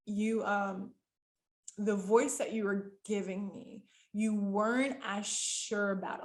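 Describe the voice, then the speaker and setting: A woman coaches voice actors in an online workshop, speaking at an ordinary mid-range pitch for a woman. She talks in fast, animated bursts, often stops to rephrase, and keeps checking in with the people listening. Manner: animated, quick bursts with frequent fillers; addresses the audience directly and often. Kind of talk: virtual workshop teaching.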